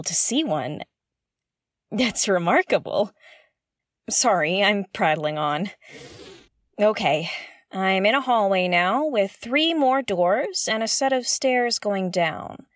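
A woman's voice: medium pitch, dry recording, clean studio sound, natural voice. A woman playing a nervous, curious young investigator on a derelict spaceship in an audio drama, talking hesitantly and earnestly. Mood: marvelling, chatty. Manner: hesitant, self-correcting, chatty and earnest. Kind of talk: audio drama, confessional log to listeners.

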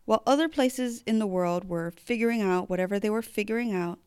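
A woman from the Mariana Islands hosting a podcast, reading a scripted introduction in an earnest, measured way. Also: mid-range voice, a little mellow, smooth, no room sound. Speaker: podcast host.

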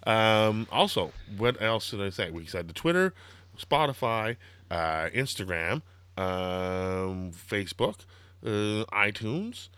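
Hoarse, rambling man hosting a podcast. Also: lowish voice, slow, no echo. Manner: rambling, filler-heavy, excitable. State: slightly hoarse, throaty. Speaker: podcast host. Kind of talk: casual wrestling podcast chat.

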